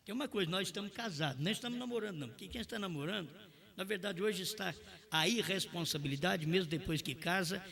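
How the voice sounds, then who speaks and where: A man with a Brazilian Portuguese accent preaching a sermon, swinging from shouted lines to quiet ones. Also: sits high, fast, gravelly.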